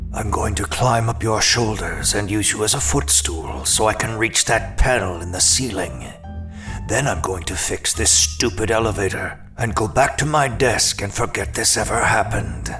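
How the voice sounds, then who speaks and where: A man's fairly low voice at a moderate pace, over clear background noise. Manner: irritable, contemptuous, dry.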